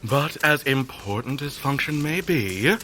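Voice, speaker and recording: Theatrical couturier, effusive and genteel, unhurried, lively melodic delivery, audio drama. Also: male voice, mid-range voice, slight background noise. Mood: encouraging, showy. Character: flamboyant four-handed mutant fashion designer, warm and theatrical.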